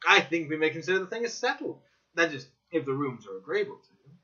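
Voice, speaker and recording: A man voicing an eager, excitable young detective-scientist in a dramatic audiobook reading, boastful and theatrical with sweeping emphasis. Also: fairly high pitch, quick pace, pitched above the performer's own voice. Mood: cheerful. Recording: dull, slightly lo-fi recording.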